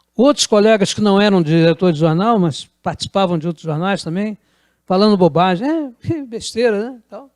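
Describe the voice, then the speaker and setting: Recorded with a dry, close sound and no echo, a man talks at a moderate pace in a high pitch, with lively intonation and big swings in loudness. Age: 70s. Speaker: journalist. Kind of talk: TV interview.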